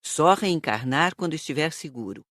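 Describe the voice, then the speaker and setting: A performer playing a patient, moralizing spirit teacher, explaining in a measured, didactic way for an audiobook. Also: medium pitch, expressive, a bit bright, no room sound, studio quality, close to an everyday voice. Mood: calm, instructive. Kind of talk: audiobook character reading.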